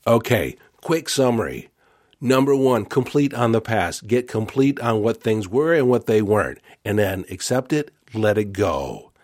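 A man's voice: on the low side, a little mellow, no echo, clean studio sound. A man hosting a motivational podcast, coaching the listener directly in an upbeat, encouraging way. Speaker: podcast host.

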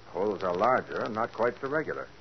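An actor playing a calm, shrewd private detective in a 1940s radio drama, reasoning steadily. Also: male voice, lowish voice, quick pace. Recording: dull old radio broadcast with faint hiss.

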